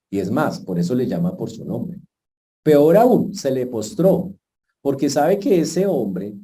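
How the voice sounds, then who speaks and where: A man preaching a sermon as pastor, telling the story in a lively way with jokes and asides to the congregation. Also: fairly low pitch.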